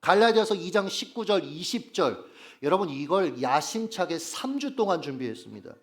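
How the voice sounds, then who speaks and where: A male pastor delivers a Sunday sermon in a fairly high voice that swings widely in pitch. He speaks earnestly and leans hard on key phrases. He keeps turning to the congregation with rhetorical questions. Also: big pitch swings, moderate pace. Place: church worship service.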